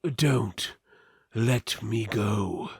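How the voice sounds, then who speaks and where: Man acting a frail, halting, dying fantasy prince. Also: on the low side, creaky, slightly rough, no room sound, clean studio sound, exaggerated voice. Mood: weak, pleading. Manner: weak, halting, dramatic. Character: dying noble prince, frail, solemn, secretive companion.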